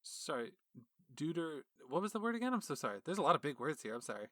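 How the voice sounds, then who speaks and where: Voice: mid-range voice, big pitch swings, quick pace, a bit bright, no room sound, clean studio sound. A podcast co-host with a Southern accent, joking and apologizing in casual chat. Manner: joking, apologetic, self-deprecating.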